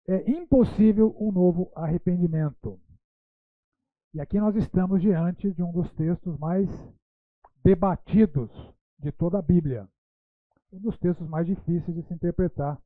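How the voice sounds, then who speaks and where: Giving a Bible school lecture, a man with a high-pitched voice poses rhetorical questions and keeps tagging his sentences with "né." There's no echo, and the audio has a dry, tinny, phone-like quality.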